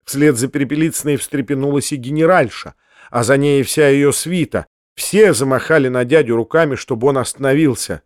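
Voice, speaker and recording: A man reading classic literary narration at a measured pace in an audiobook. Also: medium pitch, no room sound, clean studio sound.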